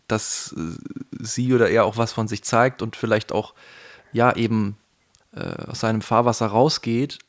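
A man's voice: on the low side, gravelly. Hesitant man with a Palatinate lilt. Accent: Palatinate German. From Palatinate, Germany. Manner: thoughtful, hesitant, many fillers. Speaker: guest, voice actor. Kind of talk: casual conversational interview.

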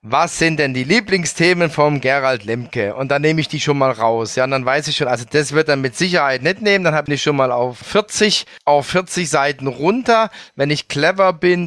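A man in casual conversation, talking through his own experiences in a relaxed, chatty way. He keeps checking in with short affirmations, and the recording is dry with no room sound. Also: a little high, dry recording. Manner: chatty, frequent "ja" fillers.

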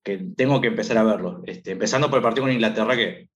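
A man in his thirties from Argentina, with an Argentine accent, talking casually as a guest and filling his pauses with "este". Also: on the low side, lo-fi sound. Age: 30s. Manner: rambling, lots of filler "este". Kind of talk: casual chat.

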